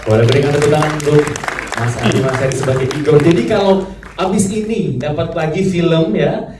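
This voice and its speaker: A man's voice: a little high, a little fast, background noise. Male emcee, upbeat, distant mic in a roomy hall. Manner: upbeat, prompting applause. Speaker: event emcee. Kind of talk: press conference hosting. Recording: echoey hall, far mic, crowd.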